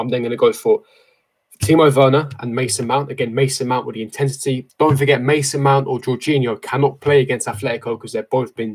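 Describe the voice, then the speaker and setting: Rushing at a very fast pace, a man with a somewhat breathy, medium-pitched voice speaks in a flat monotone. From London. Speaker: football YouTuber. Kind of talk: live stream chat. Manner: casual, with fillers.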